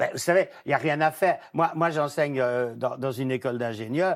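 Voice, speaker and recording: On a very clean recording with a silent background, a man speaks at a moderate pace and a medium pitch, with ordinary pitch variation. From Belgium. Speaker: historian and grammarian, author. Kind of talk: TV interview. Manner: animated, colloquial.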